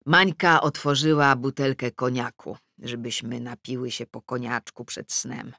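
A middle-aged woman reading a novel aloud in the first person, with wry, lively comic timing. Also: extremely low pitch, measured pace, no room sound, studio quality. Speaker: audiobook narrator. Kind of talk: first-person audiobook narration. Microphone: close studio mic.

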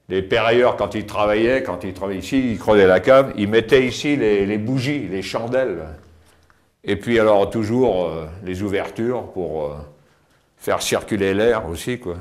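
An older man giving a casual tour of his cave home, talking with many pauses and fillers, recorded on a camera mic as he moves around. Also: on the low side. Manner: hesitant, many fillers and restarts. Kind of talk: casual spoken house tour. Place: inside stone cave rooms and outdoors by cliffs.

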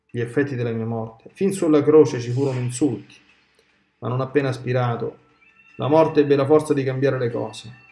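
Jesus speaks tenderly to his daughter as a solemn grown man, voiced by a male reader. The voice is dark and gravelly, measured like a devotion being read aloud. It rings in an echoey room, with faint music under it. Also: medium pitch, lightly acted.

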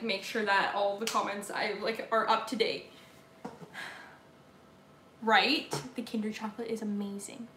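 A woman's voice: a little high, a bit bright, slight background noise. A young woman with a Southern accent chatting casually on a live stream from her home kitchen, answering viewer comments while she bakes. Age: young adult. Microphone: laptop or phone camera at table distance. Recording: echoey kitchen room sound.

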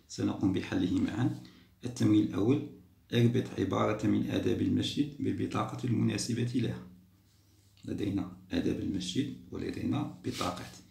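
A man's voice: on the low side, gravelly, darkish tone, reverberant. A man from Algeria, a primary school teacher patiently explaining a test to children, repeating points and praising them.

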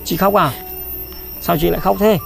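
A man hosting a vlog, briskly reading out a list of donors and coaxing and reassuring the person he is helping. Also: high voice, fairly even intonation, creaky. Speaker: vlog host handing out charity money. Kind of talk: reading a donor list, then casual talk. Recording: light background music.

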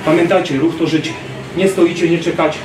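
A man in his thirties giving an animated self-defense lecture to a class, acting out street scenes, filmed by a distant camera in a large gym. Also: fairly high pitch, fairly quick, noisy background. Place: large gym hall, indoors. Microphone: far camera. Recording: roomy gym echo from far off.

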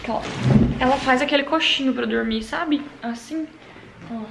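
A woman vlogging casually to her viewers from a bedroom at night, talking in a chatty way that often drops to a hushed murmur. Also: sits high, normal speed, gravelly, roomy sound, heavy background noise. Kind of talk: casual vlog chat to viewers.

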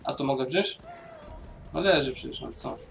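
A man's voice: medium pitch, normal speed, gravelly, far from the mic, slight background noise. A man casually commenting on his own gameplay, mumbling to himself and swearing now and then. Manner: mumbling to himself while playing. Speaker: gaming YouTuber. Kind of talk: casual let's-play commentary.

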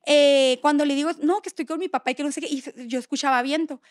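A woman's voice: sits high, fast talker, no room sound, clean studio sound. A young woman, telling a personal story in a casual chat and acting out the dialogue. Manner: animated, acts out quoted dialogue. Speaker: guest.

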